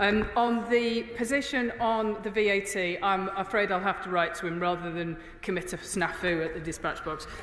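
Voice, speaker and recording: The speech runs with hardly any pauses amid audible room echo and noticeable background noise. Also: woman, medium pitch for a woman, ordinary pitch variation, moderate pace. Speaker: government minister. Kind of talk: parliamentary debate. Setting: parliament chamber. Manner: halting.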